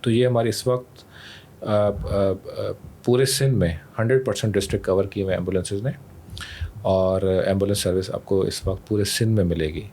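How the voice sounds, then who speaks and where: Low-pitched Pakistani man explaining, noisy background. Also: steady tone, normal speed, warm tone. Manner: mixes in English words and phrases. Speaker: emergency rescue service official, interview guest. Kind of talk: explanatory podcast interview talk. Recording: clear background noise.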